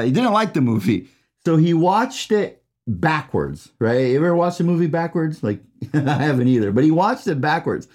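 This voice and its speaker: A man giving a casual, chatty book review, often asking "right?" and reading a passage aloud. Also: mid-range voice. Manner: chatty, tag questions, reads passage aloud.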